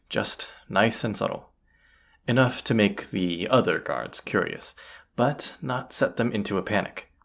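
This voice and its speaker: A performer voicing a folksy, plain-spoken bandit leader in an audio roleplay, with a gravelly, husky voice and a conversational, wry manner. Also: low voice, heavily acted. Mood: commanding, focused. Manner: folksy, conversational, hushed at times. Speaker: character voice actor. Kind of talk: immersive audio roleplay acting, addressing the listener.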